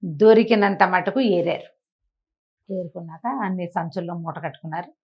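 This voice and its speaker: Woman storyteller, conversational and unhurried in explanation. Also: fairly low pitch. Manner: conversational, explains with asides and rhetorical questions. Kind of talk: oral moral storytelling for children, acting out dialogue.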